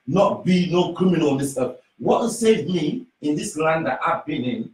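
A man's voice: a little high, lively intonation, normal speed, darkish tone, distant mic. A man from Sierra Leone speaking as a guest on a radio talk show, making his points emphatically and repeating key phrases. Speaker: studio guest. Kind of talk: impassioned talk-show opinion. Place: small radio studio. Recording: echoey studio from off-mic.

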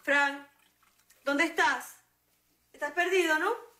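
A woman's voice: high voice, slow pace, heavily acted. An actress playing a flustered, stressed woman with a Venezuelan accent in a TV comedy-drama. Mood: threatening. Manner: flustered and exclamatory, talks herself calm. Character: frazzled woman on New Year's Eve.

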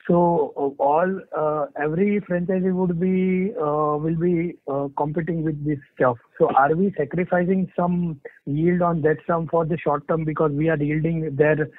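A man with an Indian accent, an analyst politely and haltingly putting a question on an earnings call. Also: fairly high pitch, dry recording. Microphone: phone conference call. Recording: tinny, dry phone line.

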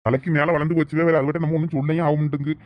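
A man's voice: fairly high pitch, level tone, rapid-fire, lo-fi sound. A man with a Thoothukudi Tamil accent, bossy and scolding in a village comedy skit. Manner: bossy, scolding husband talk.

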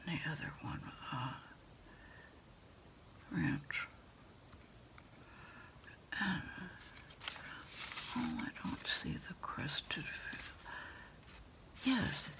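A middle-aged woman doing a soft, unhurried ASMR roleplay as a takeout order taker on the phone, hesitating and trailing off often. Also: low-pitched, sing-song, creaky, poor audio. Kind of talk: whispered ASMR roleplay, one-sided phone conversation.

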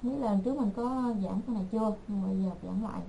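A woman teaching an online language class, repeating words slowly and patiently for her learners. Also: mid-range voice, vocal fry, mellow, a little hiss or hum, low-quality recording.

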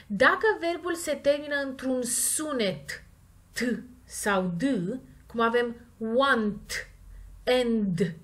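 A woman with a Romanian accent, teaching English grammar and stressing the example words slowly and clearly. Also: fairly high pitch, fairly bright tone. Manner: slow, stressed model words between quick explanations. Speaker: language teacher. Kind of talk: explaining grammar in a recorded lesson.

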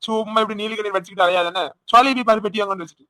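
A man voicing an angry young husband in a cartoon, accusing rapidly with a Tirunelveli Tamil accent. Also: high voice, steady tone, sharp tone, dry recording.

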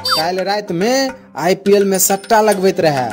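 A man plays a middle-aged cartoon uncle from the village. He is indignant and quick to anger, forever challenging and telling people off. Music plays clearly underneath. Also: high voice, lightly acted. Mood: accusing. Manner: scolding, exasperated, challenging. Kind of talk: comedy cartoon dialogue.

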